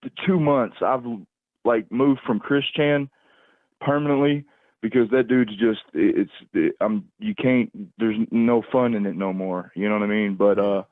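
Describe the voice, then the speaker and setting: A lowish-voiced man calls in over a narrow, tinny phone line with no room sound around him. He rambles casually, restarting and repeating himself as he hunts for the right words. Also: fairly even intonation, no room sound. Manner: halting, repetitive, searching for words. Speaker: call-in caller on a livestream. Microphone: phone call.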